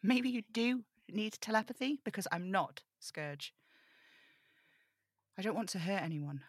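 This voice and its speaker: Woman doing a prickly young guy radio host w magic powers, sarcastic audio drama read, mid pitch, no room sound. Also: expressive, measured pace, dry recording, clean studio sound. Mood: sarcastic, guarded. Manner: snappish, sarcastic, exasperated. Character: defiant, burdened young male radio broadcaster with magical powers.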